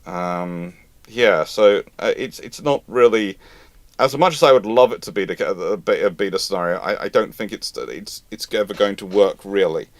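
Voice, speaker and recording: A man talks through viewer questions on a live stream in a loose, conversational way. He is animated and emphatic and laughs easily, and his voice sits dry and close to the mic with little room sound. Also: fairly low pitch, normal speed, no echo. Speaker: host of a live history Q&A. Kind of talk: casual live-stream chat.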